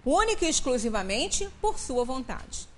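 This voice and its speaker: A middle-aged Brazilian woman with a high voice lectures in a small meeting room, explaining emphatically and checking in with her listeners. She is picked up by a microphone on the table while she stands. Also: sing-song, moderate pace. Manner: explanatory, emphatic, often adds "né?". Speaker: spiritist lecturer. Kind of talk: lecture at a spiritist center.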